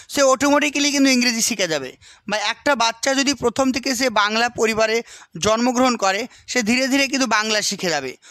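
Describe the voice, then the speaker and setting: A man with a West Bengal Bengali accent gives an exam-prep lecture in a very high, bright voice. He reads English lines slowly, then breaks them down with rhetorical questions. The sound is close and dry. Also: no room sound. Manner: keeps asking rhetorical questions and checking understanding. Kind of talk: explanatory lecture.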